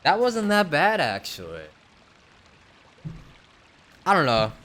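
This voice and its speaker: A man's voice: fairly high pitch, huge pitch swings, slow, a bit bright. A young man casually commenting on a game story during a live stream, rambling with hedges and the odd swear word.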